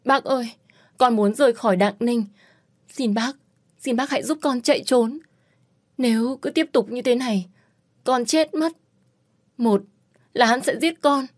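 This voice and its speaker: A woman voicing a young woman who is grieving, pleading and shouting in an audiobook. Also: on the high side, unhurried, long pauses, dry recording, clean studio sound, voice pushed up. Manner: shouting and sobbing pleas. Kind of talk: audiobook character voice.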